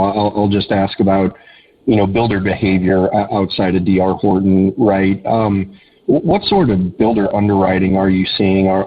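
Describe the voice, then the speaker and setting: A man calling in as an analyst to an earnings call, asking questions in a halting way with stammered restarts. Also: on the low side. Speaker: analyst caller. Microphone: phone. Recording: tinny phone line with faint noise.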